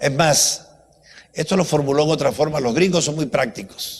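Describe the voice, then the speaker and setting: This man's voice is fairly high and somewhat breathy. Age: 80s+. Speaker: university professor. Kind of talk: lecture.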